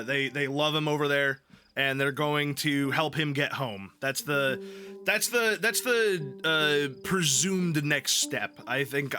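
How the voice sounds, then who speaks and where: A sharp-toned, mid-range male voice hosts a livestream as ambient music plays. He jokes and curses irreverently and playfully, shifting between casual banter and reading aloud.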